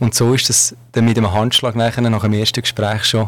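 A man's flat, monotone delivery at medium pitch and a fairly quick pace. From Switzerland, Canton Solothurn. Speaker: insurance agency manager. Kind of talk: radio interview. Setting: radio studio.

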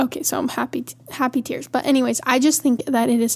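This woman has an American accent and a high-pitched voice. She talks at a fairly quick pace with fairly even intonation. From Montana. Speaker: podcast host. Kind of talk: solo casual monologue. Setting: home recording. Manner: frequent ums and likes.

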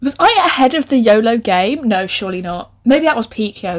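The speaker is reading aloud in a natural voice, the intonation moving in a lively way.

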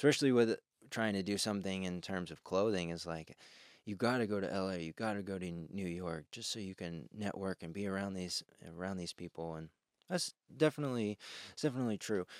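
A man with a Midwestern American accent speaks at a fairly quick pace in a very deep, low pitch. The sound is dry and close with no echo, on a very clean recording with a silent background. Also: ordinary pitch variation. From rural Missouri, US Midwest. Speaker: fashion designer. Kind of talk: casual interview.

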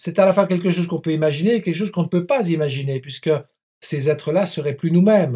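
Talking at a very fast pace, a man with a high pitch and a dark, mellow tone shows ordinary pitch variation. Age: 70s. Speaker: philosopher and bioethicist. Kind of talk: interview. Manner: halting.

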